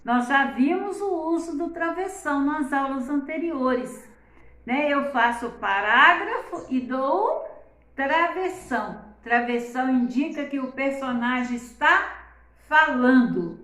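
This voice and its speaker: A woman, teaching a class and speaking in a slow, deliberate way, exaggerating the intonation of her examples and often adding "né?". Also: high-pitched, animated, fairly bright tone, roomy sound.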